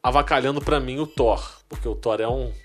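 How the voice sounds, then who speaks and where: A man co-hosting a casual podcast, talking excitedly and stumbling over repeated words. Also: medium pitch, a little fast. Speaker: podcast co-host. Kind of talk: casual nerd podcast chat.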